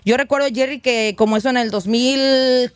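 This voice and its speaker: Lady radio host, chatty and upbeat, kinda high voice, dry booth. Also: fairly even intonation, moderate pace, dry recording. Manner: chatty, upbeat, many fillers. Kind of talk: radio interview hosting.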